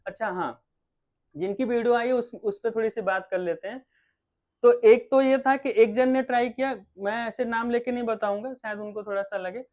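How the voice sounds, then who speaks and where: A man teaching an online acting class, explaining at a relaxed pace with many fillers and repeats. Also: very high voice, moderate pace.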